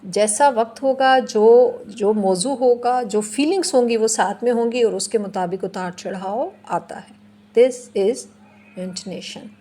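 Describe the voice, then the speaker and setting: A woman teacher giving a slow, deliberate classroom lecture, explaining in English and then again in Hindi-Urdu. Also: fairly high pitch, dark tone. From Pakistan.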